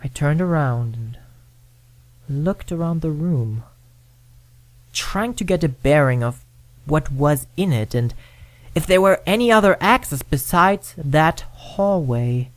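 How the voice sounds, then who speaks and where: A man's voice: on the high side, lively intonation, slow pace, no echo. A man narrating a first-person ghost story, dramatic and at times dropping to a whisper.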